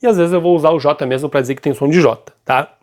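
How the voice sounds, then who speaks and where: Man, grammar teacher, slightly high voice, lively, checks in with students often. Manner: slows and stresses key points for students to note. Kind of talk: classroom-style grammar lesson.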